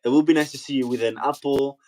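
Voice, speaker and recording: A man's voice: medium pitch, fairly even intonation, fast talker, darkish tone, rough recording. A man co-hosting a podcast as a fitness coach, teasing and laughing often and repeating his words. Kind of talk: casual chat.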